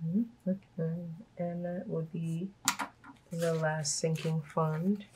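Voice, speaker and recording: A woman from Brooklyn, hoarse from a cold, chatting casually and laughing often as she talks through her budget. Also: sits low, steady tone, extremely slow, warm tone, slight background noise, poor audio. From Brooklyn, New York. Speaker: budgeting vlogger. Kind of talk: casual chat while stuffing cash envelopes.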